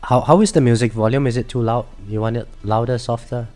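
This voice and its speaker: Talking fast in a medium-pitched voice, a man on a live game stream sounds nasal from a cold and a blocked nose. His chatter is casual and relaxed but full of hesitations, fillers, and self-corrections. Faint background music accompanies him.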